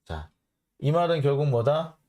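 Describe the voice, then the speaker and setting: A man hosting a political commentary show, reading out foreign news and mocking it in an animated way. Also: on the high side, normal speed. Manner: animated, mocking, acts out blunt quotes. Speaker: host of a political commentary channel.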